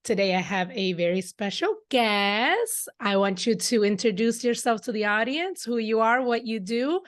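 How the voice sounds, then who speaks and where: A woman's voice: a little high, expressive, moderate pace. A woman hosting a podcast, introducing and interviewing a guest in a conversational style. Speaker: podcast host.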